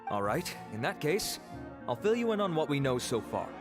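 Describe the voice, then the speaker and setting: A man's voice: fairly high pitch, big pitch swings, moderate pace. An actor playing an earnest, dutiful male investigator, speaking formally in an anime video game. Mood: businesslike. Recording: background music under game dialogue.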